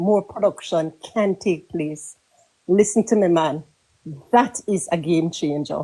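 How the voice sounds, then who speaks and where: A woman with a Jamaican accent speaks at a fairly slow pace in a dark, mellow tone. Her intonation is lively. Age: 60s. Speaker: political commentator. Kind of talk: political commentary.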